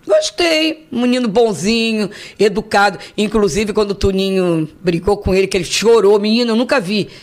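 A woman in her fifties with a Rio de Janeiro Portuguese accent, the host's mother, tells a long personal story as a podcast guest in casual chat. Her mid-range voice moves at a normal pace with few pauses, and she acts out the voices she quotes and repeats words for effect.

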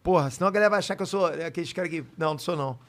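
A man's voice: fairly high pitch, racing. A man telling stories in casual chat as a podcast guest, swearing freely with self-deprecating laughs.

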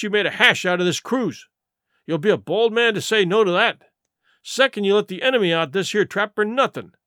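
Man voicing a surly, accusing pirate mutineer, high-pitched. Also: fairly bright tone, no echo, clean studio sound. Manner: blunt, accusing, rustic nautical dialect. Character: tall, surly, yellow-eyed mutinous pirate challenger. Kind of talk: audiobook character acting.

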